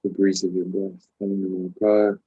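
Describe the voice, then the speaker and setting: A man with a low, slightly rough voice leads a guided spiritual meditation. His intonation stays very even as he gives calm, measured instructions, leaving pauses between phrases. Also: phone-quality sound. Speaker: meditation teacher and host.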